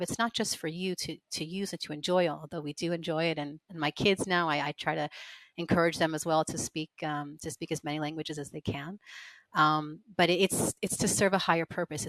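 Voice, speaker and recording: A woman's voice: sits low, fairly bright tone, dry recording, low-quality recording. A woman guest in a conversational interview, telling stories in an earnest, reflective way. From lives in Israel. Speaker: interview guest, finance professional.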